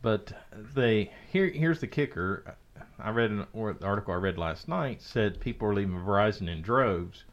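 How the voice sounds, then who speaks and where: Low-voiced man, sarcastic podcast co-host. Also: lively intonation, moderate pace, dull audio. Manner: sarcastic, joking. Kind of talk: casual tech news chat.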